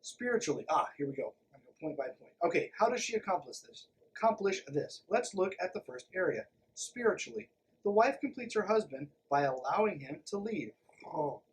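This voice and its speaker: On a low-quality recording with some hiss or hum, a high-pitched man hosting a podcast reads a text aloud. He keeps up a sarcastic running commentary, irreverent, sardonic and emphatic.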